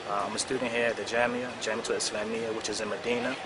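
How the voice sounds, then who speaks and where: A young American man, a student from the United States, giving a measured recorded testimonial with "uh" fillers, outdoors by a street. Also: lowish voice, flat delivery. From Baltimore, United States. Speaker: second-year student. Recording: loud outdoor traffic noise.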